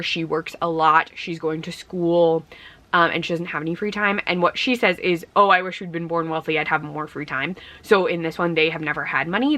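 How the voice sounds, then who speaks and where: A young woman chats casually to her camera, rambling with plenty of ums. She sounds congested and worn out, with a bright, forceful edge to her voice. Her pitch sits a little low for a woman. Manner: rambling, conversational, frequent ums. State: congested and tired. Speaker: vlogger. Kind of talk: casual vlog chat.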